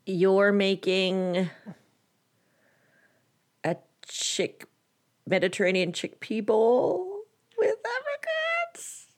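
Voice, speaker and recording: A woman comedian guest on a podcast, talking in a lively way and searching for words. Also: mid-range voice, very slow, long pauses. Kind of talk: casual chat.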